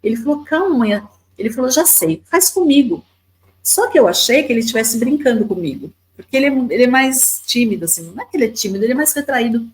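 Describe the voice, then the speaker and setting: Brief: Brazilian woman in her fifties, a guest on a podcast, talks chattily with restarts, voice sits a little high. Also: animated, very fast, hardly any pauses, rough recording. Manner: chatty, repeats words, many tag questions. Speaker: podcast guest, YouTuber and lawyer. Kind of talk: casual storytelling interview.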